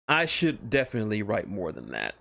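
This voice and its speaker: On a livestream about fan fiction, the male host chats and rambles with swearing and plenty of fan excitement, speaking close to the mic. His voice is lowish, gravelly, and sharp, with no room sound.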